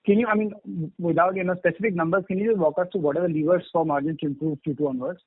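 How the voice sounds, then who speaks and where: A man asks questions as an analyst on a conference call. His voice is a bit high and quick, heard through a muffled phone line. He rambles and often rephrases midway. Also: fairly even intonation. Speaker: investor or analyst asking questions.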